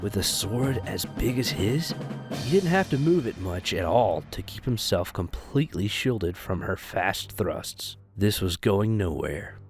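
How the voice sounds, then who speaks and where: Animated male story narrator. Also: on the low side, measured pace, soft background music. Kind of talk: expressive scripted story narration.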